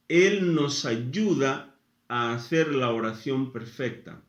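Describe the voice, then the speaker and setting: A man preaching a sermon, speaking in short phrases with frequent pauses. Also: mid-range voice, roomy sound. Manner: slow, deliberate, pausing after short phrases. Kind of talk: sermon teaching.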